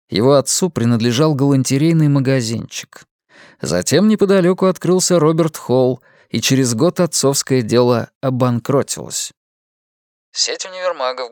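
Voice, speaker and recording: A male narrator reading a novel aloud in a measured, even way. His voice sits at a middle pitch. The recording is close and dry, without any room echo. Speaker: audiobook narrator.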